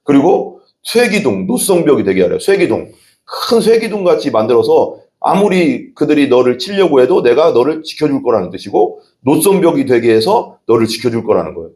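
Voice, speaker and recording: Korean pastor preaching with lively swings. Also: male voice, mid-range voice. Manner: conversational preaching with rhetorical questions and sudden exclamations. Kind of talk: sermon.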